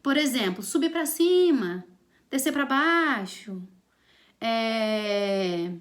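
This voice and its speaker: A woman's voice: a little high, animated, extremely slow. A woman teacher with a Brazilian Portuguese accent giving a recorded online lesson, playful and chatty with teasing examples.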